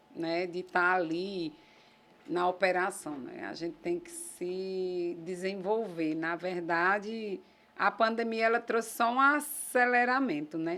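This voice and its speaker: Lively intonation marks this woman's fairly slow delivery. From Paraíba, Brazil (Lagoa Seca near Campina Grande). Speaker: business executive. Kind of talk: interview.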